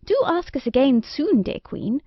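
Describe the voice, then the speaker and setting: A woman's voice: high-pitched, very animated, moderate pace, dry recording, voice pushed up. A woman voicing a vain, haughty female fairy who wears a snake bonnet, indignant one moment and falsely sweet the next, in a storybook reading. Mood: gushing. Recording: dry, slightly dull recording.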